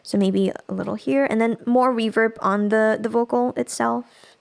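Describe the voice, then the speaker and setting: A woman giving a casual live software tutorial as a music production instructor, thinking aloud as she demonstrates. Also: a little high, fairly even intonation, moderate pace, vocal fry.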